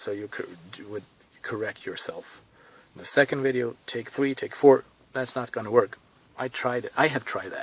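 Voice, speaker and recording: A man with a non-native accent speaks at a moderate pace, leaving long, frequent pauses as his loudness swings widely. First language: Swedish. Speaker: vlogger. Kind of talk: vlog tutorial. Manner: halting, many hesitations.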